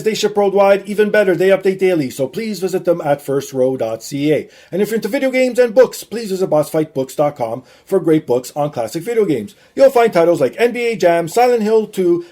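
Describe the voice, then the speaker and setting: Guy hosting a podcast in studio, kinda high voice, runs through ads quick. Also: darkish tone. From Canada. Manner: reads sponsor ads quickly, then chats loosely. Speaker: podcast host. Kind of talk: casual podcast chat.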